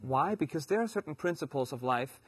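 A man's voice: on the high side, animated, brisk, fairly bright tone, slightly rough, dry recording. A man with a German accent on a Bible discussion panel, explaining a verse with everyday examples.

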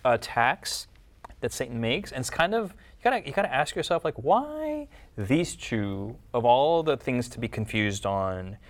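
A man's voice: medium pitch, sing-song, a little slow. A man hosting a casual Bible study discussion, musing aloud and often rephrasing himself. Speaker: discussion host.

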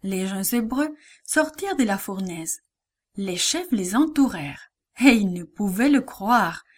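A woman narrating a children's Bible story in an expressive, deliberate reading. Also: mid-range voice.

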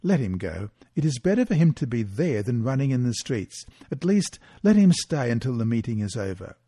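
A worried young mother gently pleads for her son in a read-aloud story, voiced by a man. The lines come soft and imploring, in a mellow, husky tone. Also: mid-range voice, sing-song, normal speed, no room sound, studio quality. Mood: pleading.

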